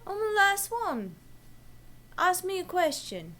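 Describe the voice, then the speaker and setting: A woman playing a grandiose, excitable aged performer, pompous about being a living legend, in a comic monologue. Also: extremely high pitch, slow pace, pitched above the performer's own voice, heavily acted. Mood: grand, insistent. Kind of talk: comedic character monologue.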